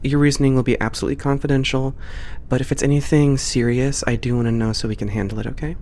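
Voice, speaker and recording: Someone acting as a calm supportive boss at a space port, reassuring and professional, audio roleplay, faint low rumble behind. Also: fast, close to an everyday voice. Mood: accommodating. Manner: reassuring, encouraging, softly professional. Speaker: ASMR roleplay voice actor. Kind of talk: scripted one-sided roleplay audio.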